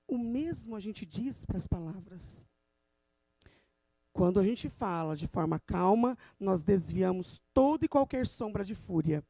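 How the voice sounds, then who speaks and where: A woman with a hoarse, low voice, a teacher giving an emphatic church talk in Brazilian Portuguese. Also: expressive, measured pace, warm tone, dry recording. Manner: emphatic, teacherly, addresses the audience.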